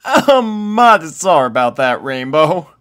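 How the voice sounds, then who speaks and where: A man's voice: fairly high pitch, very animated, a little slow, fairly bright tone, pitched above the performer's own voice. A man voicing an easygoing female farm pony from a cartoon, with a Southern US accent and folksy country talk. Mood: sheepish.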